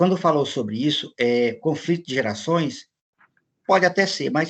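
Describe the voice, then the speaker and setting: Lively intonation at a fairly slow pace. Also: man. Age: 60s. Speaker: pastor and lecturer. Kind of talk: online group discussion. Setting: video call.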